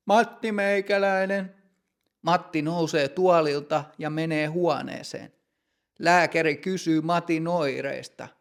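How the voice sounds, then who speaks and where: A language teacher narrates a simple learner's story from a script, reading slowly, clearly and deliberately for students. His voice is slightly high, with a gravelly vocal fry.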